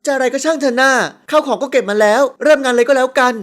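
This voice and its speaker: A woman voicing a stern, hot-tempered elder sister in a storybook, with a sharp, scolding manner. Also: a little high, normal speed, pitched above the performer's own voice, natural voice. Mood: scolding, angry.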